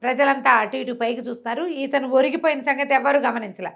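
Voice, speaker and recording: A woman's voice: high voice, fairly even intonation, quick pace, gravelly, muffled recording. A woman with a Telugu accent telling a folk tale conversationally, explaining as she goes and acting out dialogue in her own voice. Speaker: storyteller.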